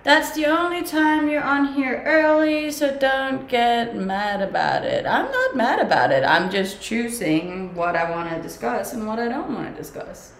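Young Danish-accented woman streamer, slightly high voice, relaxed chat, echoey kitchen. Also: moderate pace, few pauses. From Denmark. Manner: relaxed, chatty, laughs often. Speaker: livestreamer. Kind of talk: casual chat reading viewer comments. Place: home kitchen, indoors. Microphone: webcam at desk distance. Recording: echoey kitchen with faint background hum.

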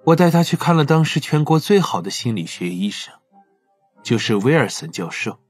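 An actor playing a bitter, lovelorn man in an audio drama, confessing haltingly and emotionally. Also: mid-range voice, sing-song, husky, faint music behind. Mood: sorrowful.

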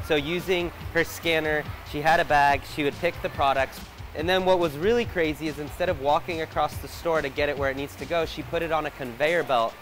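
A man in his thirties reports on location, walking through a large supermarket with a handheld camera and chatting with curiosity as he shops. His voice is fairly high and a bit bright, with background music playing.

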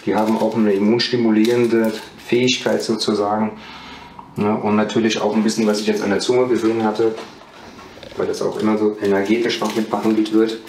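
Calm low-voiced man explaining in a roomy space. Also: slight background noise. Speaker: acupuncturist. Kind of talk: explaining to a patient. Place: small bright treatment room.

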